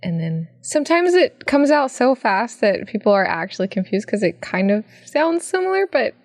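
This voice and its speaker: A woman's voice: on the high side, very animated, normal speed, darkish tone, dry recording. A woman co-hosting a podcast, chatting casually, slipping Japanese words in and giggling often. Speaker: podcast co-host. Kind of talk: casual chat.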